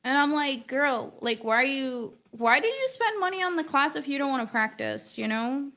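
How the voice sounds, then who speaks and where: A young woman with a fairly high, gravelly voice full of fry talks through a live drawing stream. English is not her first language, and she rambles in a loose, chatty way, filling her sentences with "like.". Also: very animated, moderate pace, pushed and bright. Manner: chatty, rambling, heavy use of "like". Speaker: art teacher streaming live. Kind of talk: casual livestream chat while drawing.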